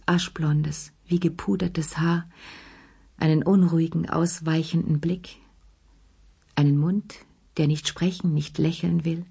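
A woman gives voice to an elegant, worldly woman of mature years with a dry, ironic manner. The voice sits low and slightly husky. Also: warm tone, full character voice.

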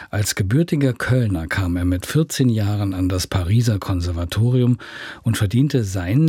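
A man presenting a classical music radio show, calm and explanatory. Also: lowish voice, slightly rough, dry recording. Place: radio studio.

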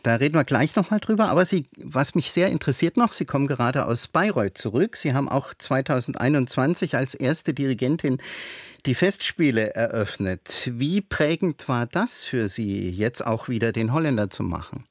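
A man presents a radio program from a dry, close studio, announcing music and putting questions to a guest. His delivery is measured and clear, in an ordinary mid-range voice. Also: medium pitch, animated, dry recording. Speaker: radio host.

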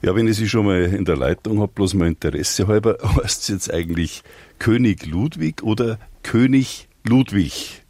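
A man hosting a radio talk show in the studio, chatty and relaxed, laughing easily. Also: fairly low pitch, normal speed, no room sound. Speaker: radio host. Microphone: studio microphone.

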